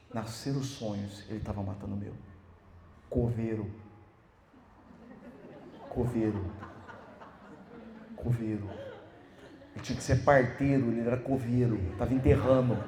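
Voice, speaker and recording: A man from Brazil preaches in a story-driven style, repeating short phrases for drama and acting out the voices of others. His voice sits at a middle pitch and rings out in an echoey room. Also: steady tone, a little fast, warm tone. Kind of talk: inspirational sermon.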